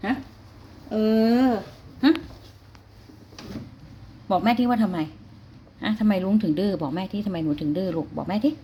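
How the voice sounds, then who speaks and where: Woman, cat owner, fond scolding tone, middle pitch, faint background hiss, home recording. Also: animated, normal speed, pauses often, warm tone. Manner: fond, chatty, scolding the cats like children. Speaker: cat owner filming her cats. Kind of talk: casual vlog narration. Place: home indoors.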